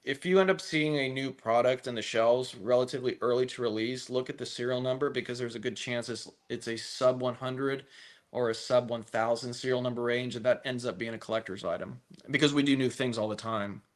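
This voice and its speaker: A man's voice: mid-range voice, steady tone, brisk. A man from a firearms company, answering interview questions at length in a talkative, conversational way with frequent restarts. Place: live stream call.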